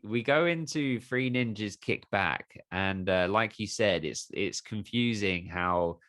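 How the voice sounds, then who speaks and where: Deep-voiced podcast host. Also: male voice, fairly bright tone, dry recording, clean studio sound. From United Kingdom. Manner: earnest, musing, builds questions slowly. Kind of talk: casual interview chat.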